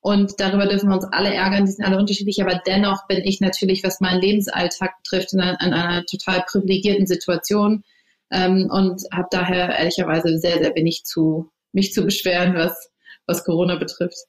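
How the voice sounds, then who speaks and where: A woman's voice: on the low side, flat delivery, brisk. Thoughtful woman, English native, roomy echo. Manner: thoughtful, many fillers and restarts. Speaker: interview guest, company founder. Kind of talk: casual interview talk.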